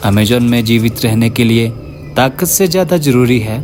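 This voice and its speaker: Music plays behind a man. His intonation is lively. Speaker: voice-over narrator. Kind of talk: wildlife documentary narration.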